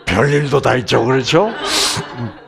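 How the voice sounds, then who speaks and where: Brief: male lecturer, unhurried delivery, animated storyteller who acts out sounds. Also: medium pitch, creaky. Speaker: health lecturer.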